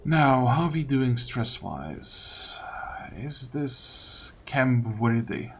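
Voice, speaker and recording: A man giving casual let's-play commentary, thinking aloud as he deliberates over his choices. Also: medium pitch, animated, a bit bright, a little hiss or hum. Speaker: gamer commentating his playthrough. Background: faint game music.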